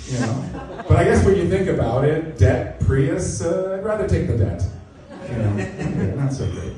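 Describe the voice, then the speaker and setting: A young man from Canada doing a self-mocking, deadpan stand-up set in a comedy club, with lots of "you know". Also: high-pitched, slow pace, long pauses, crowd noise. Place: comedy club stage, live audience. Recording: echoey club recording from a distance. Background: audience laughter.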